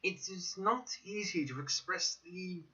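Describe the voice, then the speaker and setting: A man voicing a cautious, wry gentleman companion, explaining emphatically in a dramatic audiobook reading. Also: high voice, a little slow, pitched above the performer's own voice, full character voice. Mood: wry, hesitant. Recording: dull lo-fi recording.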